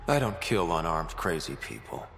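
Low, blunt human hero. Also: male voice, big pitch swings, moderate pace, vocal fry, a bit bright, a little hiss or hum, exaggerated voice. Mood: stern, disgusted. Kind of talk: dramatic video game acting. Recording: long hall reverb, faint music.

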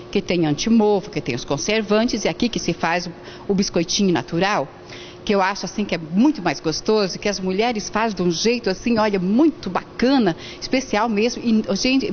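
Brazilian woman host, 40s, chatty and playful, handheld mic, slightly lo-fi with faint hall noise. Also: medium pitch. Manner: chatty, playful, addresses viewers directly. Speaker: TV variety show host. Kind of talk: on-camera event interview. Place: indoor school fair hall.

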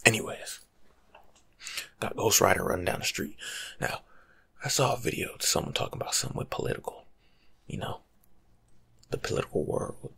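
A young American man speaks in soft ASMR tones, half-whispered and very breathy. His voice is gravelly and swings animatedly up and down as he lectures in casual, teasing slang. He sounds close to the microphone. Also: lowish voice, sing-song, brisk, pauses often. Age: young adult. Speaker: ASMR creator playing a life coach. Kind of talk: soft-spoken ASMR, casual advice monologue. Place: small home room, seated indoors.

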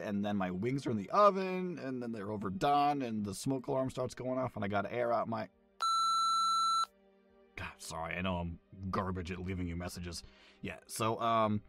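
A man's voice: mid-range voice, creaky. A man playing a rambling goofy conductor. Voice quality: rambling, self-deprecating. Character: rambling goofy male train conductor on voicemail.

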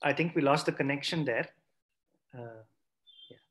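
A man's voice: medium pitch, moderate pace, fairly bright tone. A man moderating an online question session in a polite, hesitant manner. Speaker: webinar moderator.

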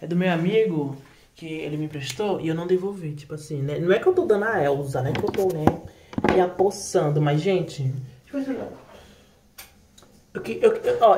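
A man's voice: sits high, noisy background. A man with a Brazilian accent talking at home in a late-night vlog, chatty and rambling, with many fillers and repeated words. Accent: Brazilian Portuguese. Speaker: vlogger.

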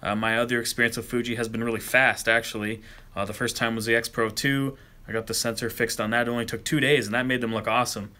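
A man's voice: medium pitch, little pitch movement, fast, sharp tone. Chatty man vlogging on a cell phone. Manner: chatty and offhand, with mild grumbling. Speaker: camera vlogger. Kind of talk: casual vlog chat. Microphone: handheld cell phone recording.

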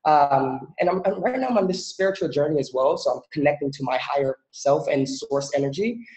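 A man from the Bahamas giving a relaxed, chatty presentation over a video call, with many fillers. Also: a little high, a little fast. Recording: echoey, dull video-call audio.

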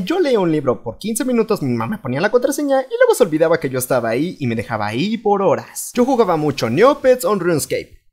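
A young man with a Latin American Spanish accent narrating a comedic cartoon storytime with an animated, playful delivery. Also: a little high. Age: young adult. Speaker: fandub narrator.

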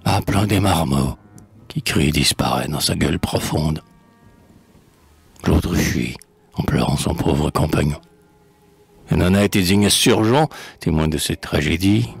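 A man reading a verse fable aloud in a slow, measured recitation. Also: low-pitched, vocal fry, husky. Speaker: poetry reader.

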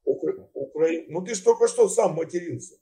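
A man's voice: a little high, animated, brisk, mellow. A man in his seventies on a video call, arguing bluntly and swearing, talking in a dismissive way. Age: 70s. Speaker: chat roulette stranger. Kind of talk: argumentative video chat. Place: indoor room.

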